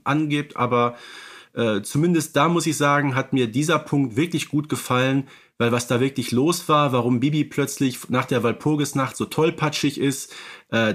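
Podcast co-host, male, forties, halting delivery full of fillers. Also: mid-range voice, fairly bright tone. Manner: hesitant, many fillers. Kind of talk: casual fan podcast chat.

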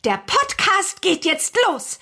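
Very high singsong little witch girl. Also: wildly swooping pitch, takes it slowly, sharp tone, exaggerated voice. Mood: playful. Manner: singsong chanting, drawn out. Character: playful young girl witch chanting a spell. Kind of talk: children's audio drama jingle.

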